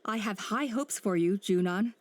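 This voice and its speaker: A woman as a calm tribal elder. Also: mid-range voice, close to an everyday voice. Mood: measured. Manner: calm, deliberate, weighing each point. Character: female tribal elder, measured and authoritative. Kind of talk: video game cutscene dialogue.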